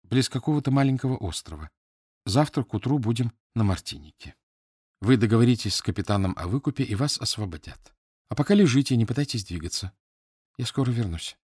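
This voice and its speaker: A male reader voicing an earnest young girl disguised as a boy, speaking quickly and anxiously in a raised voice. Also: medium pitch, expressive, a little mellow, husky, dry recording, studio quality. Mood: brisk.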